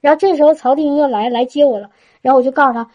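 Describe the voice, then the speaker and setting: A woman's voice: high-pitched, rapid-fire, highs cut off. A woman telling a testimony to a congregation in a chatty way, with frequent restarts and a tag particle at the end of her phrases. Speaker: church speaker giving a testimony.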